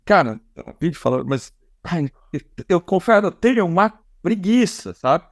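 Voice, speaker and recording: A man's voice: high voice, sing-song, moderate pace, no room sound, clean studio sound. A man with a Brazilian accent hosting a casual podcast interview, talking in loose, rambling sentences full of restarts and fillers. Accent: Brazilian Portuguese. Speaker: podcast host.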